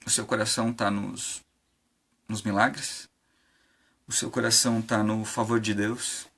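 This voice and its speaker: A man's voice: lowish voice, flat delivery, a little slow, pushed and bright, breathy edge. A man preaching an informal sermon on a live stream, conversational, with many fillers and rhetorical questions.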